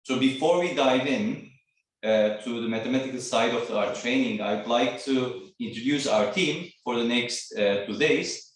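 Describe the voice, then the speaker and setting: Man from Turkey, trainer on a video call; halting, filler-heavy delivery, echoey and distant. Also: mid-range voice. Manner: hesitant, many fillers. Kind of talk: online training presentation. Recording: echoey room, far from mic.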